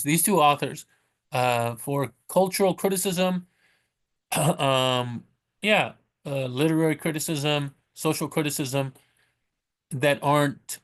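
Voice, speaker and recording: A man talking casually and unscripted in a low-key way, haltingly correcting himself as he recommends things like a vlogger. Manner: halting, self-correcting, rambling delivery; low-key, self-described monotone. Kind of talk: casual unscripted vlog talk.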